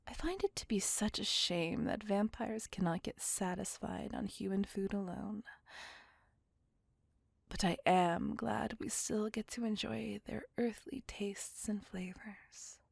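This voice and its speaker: A woman voicing a possessive, devoted female vampire on a date, speaking in a soft, close, apologetic and doting whisper. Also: medium pitch, steady tone, slow pace, gravelly, breathy edge, dry recording, full character voice. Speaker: voice actor. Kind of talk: ASMR roleplay whispering.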